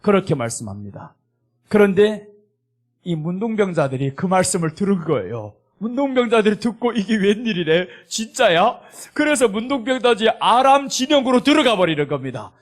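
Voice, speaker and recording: At a Korean church, a South Korean pastor delivers a sermon emphatically, his voice a little on the high side, sing-song and slightly fast. He acts out scripture quotes in small voiced asides while explaining them.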